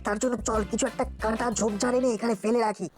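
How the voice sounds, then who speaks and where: A woman's voice: on the high side, fairly even intonation, rapid-fire, over music, close to an everyday voice. A woman voicing a clever, mischievous ten-year-old boy in a cartoon, sounding confident. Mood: plotting, confident. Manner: confident, plotting. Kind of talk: cartoon voice acting.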